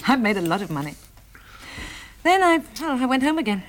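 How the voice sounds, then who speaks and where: An actress playing a wistful, playful, well-bred young woman novelist in a 1960s radio drama, hesitant and expressive. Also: fairly high pitch, brisk, a little hiss or hum, poor audio. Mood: wry, candid.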